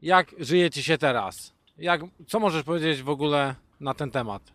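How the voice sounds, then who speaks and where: A man hosting a podcast, putting slow, probing questions to his guest. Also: a little high, a bit bright. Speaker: podcast host interviewer. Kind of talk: interview questions.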